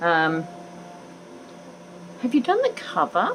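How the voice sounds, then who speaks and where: The speaker has an Australian accent. Noticeable background noise is present. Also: woman. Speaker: tarot card reader. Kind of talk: tarot reading. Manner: casual, chatty with fillers.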